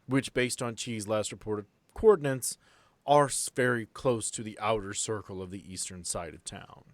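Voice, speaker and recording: The game master at the head of a basement table, a man talking low and close as he lays out the map. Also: normal speed, dry recording. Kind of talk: improvised tabletop game narration.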